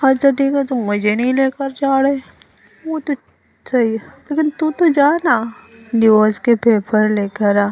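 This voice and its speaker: A heartbroken young man who has had a drink, dragging out his words in a slow, mournful slur, as a woman reading the story puts him on. The voice is slightly high. It stays near the reader's own voice. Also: darkish tone. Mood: drunk.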